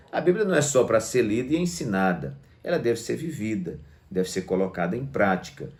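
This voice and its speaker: A man's voice: fairly low pitch, a little mellow. A male pastor teaching a Bible lesson in a didactic way, stressing key words and checking in with tag questions. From Brazil. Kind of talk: Bible lesson to online viewers.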